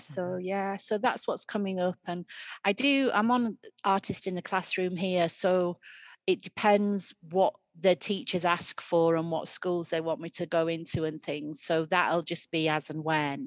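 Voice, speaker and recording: In an English accent, a woman speaks at a fairly slow pace and fairly low pitch with ordinary pitch variation, the sound dry and close with no echo against a quiet background. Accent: English, noticeable in America. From England, south then Yorkshire. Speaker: storyteller. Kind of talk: casual interview chat; storytelling performance.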